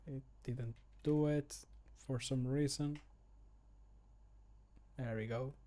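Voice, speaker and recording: A man's voice: mid-range voice, steady tone, slow pace, dark tone. A man in his thirties chatting casually and self-deprecatingly as he works, muttering to himself on a close microphone at home. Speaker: streamer and amateur voice actor. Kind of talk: casual chat while working. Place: home room, indoors. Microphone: close desk microphone.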